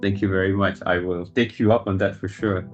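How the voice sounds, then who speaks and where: A man in his fifties from Singapore, answering interview questions in a measured, reflective way with frequent fillers. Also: deep voice, steady tone, highs cut off, music in the background. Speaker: guest.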